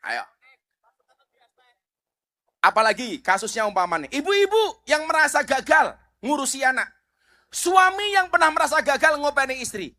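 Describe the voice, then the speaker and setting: A middle-aged man with a Javanese accent preaching a sermon, animated, asking the crowd rhetorical questions. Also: very high voice.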